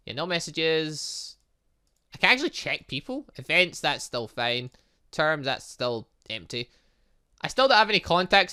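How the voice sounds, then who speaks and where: Bright-voiced, lively British man gaming. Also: a little high, clear, resonant tone. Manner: rambling, talks back to the game. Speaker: gaming channel host. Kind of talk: casual let's play commentary, reading game dialogue aloud.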